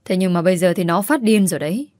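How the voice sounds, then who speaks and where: A domineering mother-in-law who nags and insists on getting her way, voiced by a woman. The voice sits fairly low, and the recording is dry and close. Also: animated, fast, a little mellow, no echo, lightly acted. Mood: insistent. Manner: nagging, insistent. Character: domineering older mother-in-law, stubborn and shrill.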